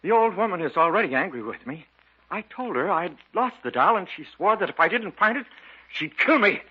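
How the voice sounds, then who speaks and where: Spooky scared stranger, high voice that jumps all over, muffled old radio. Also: male voice, lively intonation, slightly rough. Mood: fearful. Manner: fearful, halting, breaks into panicked shouts. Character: frightened strange man hunted by a witch. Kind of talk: 1940s radio acting. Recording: dull old radio broadcast.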